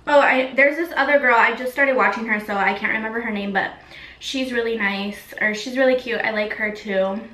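Bright-voiced young woman, echoey room. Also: a little high, a little fast, far from the mic. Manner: chatty, many ums and likes, talks while eating. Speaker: vlogger. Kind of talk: casual mukbang eating vlog.

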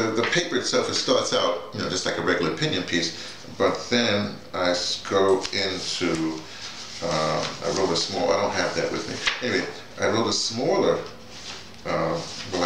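A middle-aged man talking casually and off the cuff, halting, repeating words and drifting into digressions. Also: sits low. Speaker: playwright and audio drama director presenting his writing. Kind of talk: casual off-the-cuff vlog talk. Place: small bare-walled office, indoors. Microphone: camera mic a few feet away. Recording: distant mic, echoey room, noisy background.

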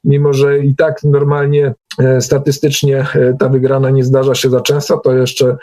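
A man with a relaxed, mellow voice of medium pitch hosts an online discussion. He speaks off the cuff and haltingly, often pausing as he searches for words. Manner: halting, hesitant delivery with drawn-out pauses. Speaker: host of an online group meeting. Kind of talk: unscripted group discussion. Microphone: online call microphone.

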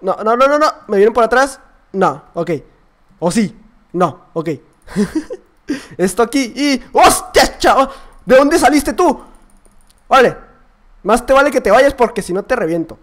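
Young man, excitable, high voice. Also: a little slow, pauses often. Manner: excitable, yells at sudden deaths then drops to mutters. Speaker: gaming youtuber. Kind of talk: gameplay commentary.

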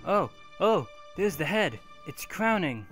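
A woman plays a calm, dry-witted doctor in a fan radio play. Her voice is low and unhurried, yet lively in its rise and fall. Faint music plays behind.

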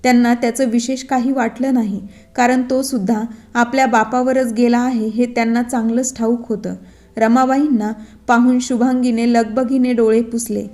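A woman narrating a scripted story in a steady, even reading voice. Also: fairly high pitch, moderate pace.

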